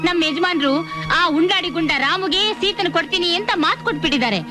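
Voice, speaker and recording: A woman's voice: extremely high pitch, quick pace, over music. A stern, scolding village mother. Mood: indignant. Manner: scolding, indignant.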